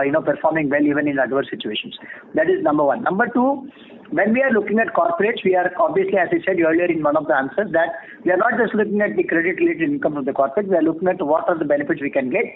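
A man with an Indian accent, a bank executive giving measured, formal, explanatory answers on an earnings call. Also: sits high. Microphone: phone conference call. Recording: tinny phone line with clear noise.

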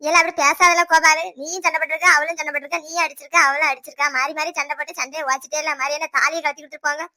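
A very high, bright cartoon voice of a village mother-in-law, with a Tirunelveli Tamil accent. She fires off scolding lines at breakneck speed, sharp and relentless. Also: flat delivery. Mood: stern. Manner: sharp, scolding, rapid-fire. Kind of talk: cartoon voice acting.

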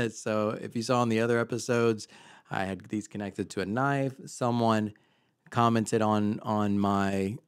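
A man's voice: lowish voice, clear, resonant tone, no room sound, clean studio sound. A man in his thirties hosting a faith podcast from a home office, speaking into a handheld mic in a chatty, earnest way with many fillers. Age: 30s. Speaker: podcast host. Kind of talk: casual faith podcast monologue. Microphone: handheld mic close to mouth.

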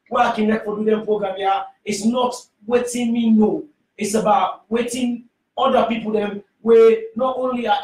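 A male radio host speaks in a high voice with a Sierra Leonean Creole accent, slipping between English and Creole. He presents a live talk show from a small studio, sounding roomy and set back from the microphone. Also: far from the mic.

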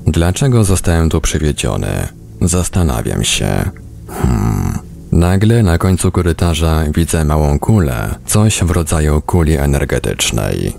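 A man narrates an audiobook in an exceptionally deep voice. His tone crackles with gravelly fry. He reads scripted text in a measured way, leaving deliberate pauses. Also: sing-song, darkish tone, soft background music. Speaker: audiobook reader on a radio programme.

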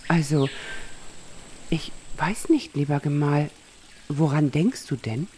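A woman's voice: sits low, slow, mellow, a little hiss or hum. A woman playing a genteel, indulgent royal mother in an audio drama, with theatrical delivery. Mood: hesitant. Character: doting royal mother, genteel maharaja's wife.

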